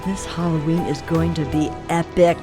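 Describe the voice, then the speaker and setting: A woman's voice: sits low, steady tone, normal speed, music in the background, natural voice. A woman playing a sinister old granny storyteller in a horror radio play, drawling with folksy, menacing sweetness. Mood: gleeful, sinister.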